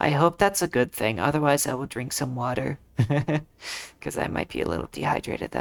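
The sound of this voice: Putting on a raspy character voice at medium pitch, a man talks at a moderate pace with lively intonation, recorded dry and close with no echo.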